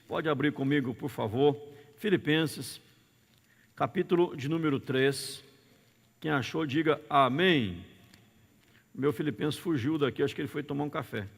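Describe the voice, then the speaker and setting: A man's voice: on the high side, creaky, breathy edge. A man preaching a sermon in Brazilian Portuguese, emphatic and repetitive, calling on the congregation for amens. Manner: emphatic, repeats key words, calls out for amens. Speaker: pastor. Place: church sanctuary. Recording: reverberant church hall.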